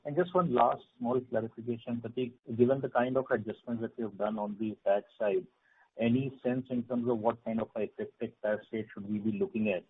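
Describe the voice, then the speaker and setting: A man's voice: mid-range voice, fairly even intonation, brisk, breathy edge. A male analyst calling in to an earnings call and putting questions in a polite, formal way. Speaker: financial analyst, caller. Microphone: phone call. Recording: tinny dry phone line.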